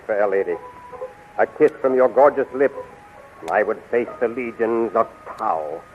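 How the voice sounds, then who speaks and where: A man's voice: on the low side, expressive, unhurried, faint music behind. Swaggering masked swordsman, tinny radio. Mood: gallant, daring. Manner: florid, theatrical, swaggering. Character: bold, flirtatious, mysterious masked swordsman. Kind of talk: 1930s radio serial acting. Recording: tinny 1930s radio recording.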